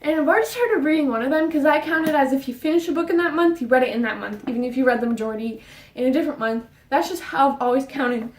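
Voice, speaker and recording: A young woman vlogging casually about books, talking fast and rambling, a bit out of breath. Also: high voice, distant mic. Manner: fast, rambling, with fillers and restarts. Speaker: book vlogger. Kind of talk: casual book chat. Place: her bedroom. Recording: roomy sound, voice off-mic.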